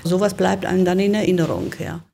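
Older female interviewee, creaky and dark-toned, emphatic, indignant recollection. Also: on the low side, fast talker, a little hiss or hum. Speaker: interviewed former footballer.

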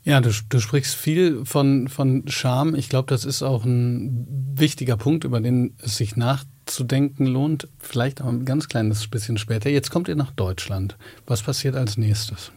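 A man's voice: medium pitch, unhurried, hardly any pauses, darkish tone, husky, no room sound. A man as host of an interview talk, with an ordinary mid-range voice and a dry recording. He asks long, winding questions and engages closely with his guest.

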